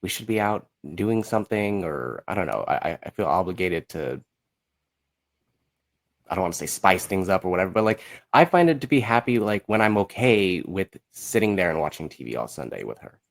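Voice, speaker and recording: Male podcast guest, low-pitched, informal and unscripted, often feeling around for the right word. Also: big pitch swings, a little fast, gravelly. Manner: informal, hesitant, searching for words. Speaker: podcast guest, musical creator. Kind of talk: casual interview chat.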